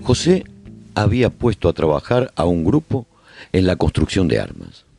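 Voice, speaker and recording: Survivor narrator for a radio serial: low, creaky voice, measured storytelling, very close dry sound. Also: male voice, huge pitch swings, mellow, faint music behind, full character voice. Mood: reflective storytelling. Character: male survivor chronicling life in a post-apocalyptic colony. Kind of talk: scripted first-person narration, radio drama.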